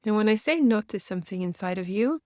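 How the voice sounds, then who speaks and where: A woman's animated voice, at an average female pitch, steers listeners through a guided meditation with gentle instruction and reassurance. She leaves unhurried gaps between phrases, and the recording is dry, with little room sound.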